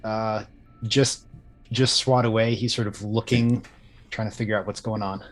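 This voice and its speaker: Male tabletop player, lowish voice, casual third-person description, faint music behind. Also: flat delivery, moderate pace. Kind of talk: casual, describing character's actions.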